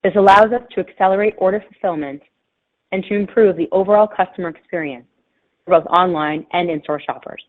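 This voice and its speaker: Female executive, lower-pitched, formal scripted corporate read, telephone-quality audio. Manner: formal, measured corporate reading. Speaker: company chief executive. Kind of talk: scripted earnings presentation. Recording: narrow phone-line sound.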